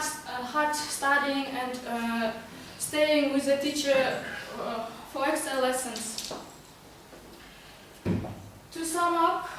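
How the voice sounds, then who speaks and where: A woman with a Kazakh accent, a native Kazakh speaker, gives a motivational club speech. She speaks haltingly in a high voice, searching for words. The recording is very echoey and distant, with faint noise. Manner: halting, with long searching hesitations. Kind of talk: prepared amateur motivational speech. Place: meeting room, recorded from a distance.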